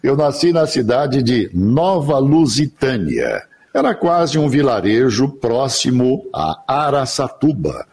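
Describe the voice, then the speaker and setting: An older man from the interior of São Paulo, a radio announcer telling his life story in a relaxed, chatty interview over a remote link. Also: medium pitch, slow, slightly rough. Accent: Brazilian Portuguese, São Paulo interior. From interior of São Paulo state, Brazil. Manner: chatty, laughs easily, rambling anecdotes. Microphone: remote online recording.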